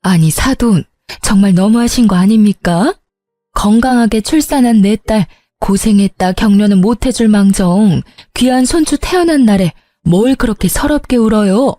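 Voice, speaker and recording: A woman's voice: mid-range voice, moderate pace, dark tone, no echo, clean studio sound, faint music behind, natural voice. A woman doing an indignant, scolding parent.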